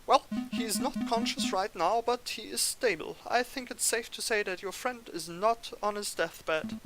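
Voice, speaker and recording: A man's voice: sits high, moderate pace, over music, pitched above the performer's own voice, lightly acted, poor audio. A man doing a prim bird doctor.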